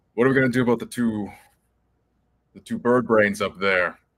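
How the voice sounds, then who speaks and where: Using a raspy, put-on character voice at medium pitch, a man talks at a fairly quick pace with fairly even intonation and big swings in loudness. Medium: actual play. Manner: blunt, practical.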